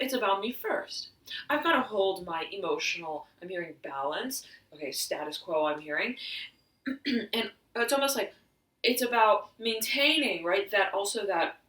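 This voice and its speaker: A woman giving a tarot reading, slightly hoarse and often clearing her throat. She meanders through restarts and fillers and keeps saying "I'm hearing.". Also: mid-range voice, sharp tone, echoey room, distant mic, low-quality recording. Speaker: tarot reader. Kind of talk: spiritual reading to camera.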